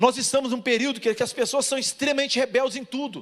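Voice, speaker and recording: A man's extremely high-pitched voice on a very clean recording with a silent background. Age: 60s. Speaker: pastor. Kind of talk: sermon. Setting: church. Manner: animated.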